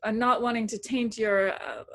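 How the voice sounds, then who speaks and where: A woman's voice: on the high side, fairly even intonation, normal speed, a bit bright. A woman moderator asking a curious, chatty question and hosting announcements. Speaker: session moderator. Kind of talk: casual discussion and hosting.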